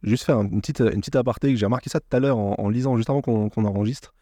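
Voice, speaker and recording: A man's voice: on the low side, very fast, warm tone, dry recording, studio quality. A man co-hosting a casual podcast, rambling with many restarts as he explains manga details. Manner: rambling, with frequent restarts and filler. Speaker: podcast co-host. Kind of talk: casual chat about a manga.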